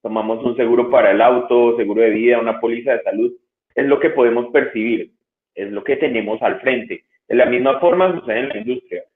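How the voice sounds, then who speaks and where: A man's voice: mid-range voice, a little fast. Man on an echoey, tinny line. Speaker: host. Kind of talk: webinar introduction and questions.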